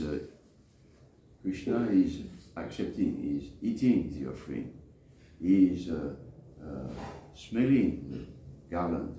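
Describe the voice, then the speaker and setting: Guy giving a religious lecture, lowish voice, stops and starts a lot, echoey room, bit of noise. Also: mellow. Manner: halting, hesitant, with frequent pauses and repeats. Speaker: preacher. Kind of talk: scripture lecture to devotees.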